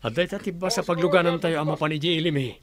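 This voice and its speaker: An actor playing Dennis, an easygoing young groom, in a radio drama. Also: male voice, a little high, fast, crowd noise, natural voice.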